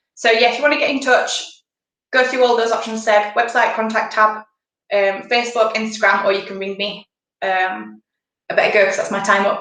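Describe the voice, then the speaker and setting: A woman speaks at a fairly quick pace with fairly even intonation, long, frequent pauses, and audible room echo. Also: fairly high pitch for a woman. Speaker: wedding cake maker. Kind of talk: sales pitch. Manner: fast.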